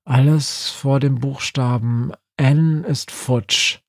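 A man's voice: mid-range voice, steady tone, takes it slowly, no room sound, studio quality. A man voicing a grumpy, stubborn old female Christmas witch. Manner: cranky, stubborn.

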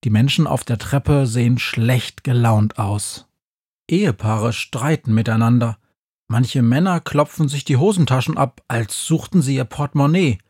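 A man reads a children's story aloud with a lively storyteller's touch. His voice is husky and breathy at a middle pitch, recorded close and completely dry. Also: moderate pace, no echo. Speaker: narrator. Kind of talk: audiobook narration of a children's story.

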